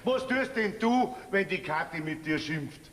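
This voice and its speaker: A man's voice: high-pitched, lively intonation, a little slow, fairly bright tone. An actor playing a jovial, teasing old farmer grandfather with a Bavarian accent in a stage folk comedy. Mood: coaxing. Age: older. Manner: teasing, folksy. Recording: roomy stage sound with reverb.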